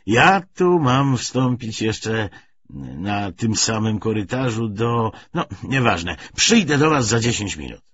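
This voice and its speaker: A man's voice: fairly low pitch, expressive, slow pace, fairly bright tone, highs cut off, slight background noise. A man voicing an insistent man who casually coaxes, with small hesitations, in an audiobook. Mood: coaxing, casual. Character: insistent man casually pressing for a written note. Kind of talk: audiobook character dialogue.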